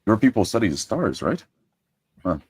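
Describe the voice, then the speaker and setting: A man playing a formal, probing adventurer in a tabletop game, with a husky voice and deliberate questions. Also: fairly low pitch, sing-song, a little mellow. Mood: grave, inquisitive.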